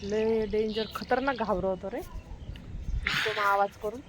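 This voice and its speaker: A woman's voice: medium pitch, fairly even intonation, slow pace, fairly bright tone, slight background noise. A woman chatting casually while filming a vlog on her phone on a rooftop, exclaiming and teasingly scolding her son. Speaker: vlogger and mother. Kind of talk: casual outdoor vlog chat. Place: outdoors on a house rooftop in the rain. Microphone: phone held in her hand.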